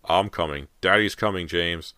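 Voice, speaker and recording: Man as a forceful, frantic father. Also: sits low, sing-song, moderate pace, dry recording, exaggerated voice. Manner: forceful, breathless shouting. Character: frantic father desperately hunting his lost son.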